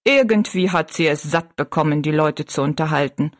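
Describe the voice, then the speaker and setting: A woman's voice: low-pitched, no room sound, studio quality, pitched below the performer's own voice, close to an everyday voice. A woman voicing a tall, thin, dignified male circus giant who speaks with courtly politeness. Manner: courtly and slow, bowing politeness.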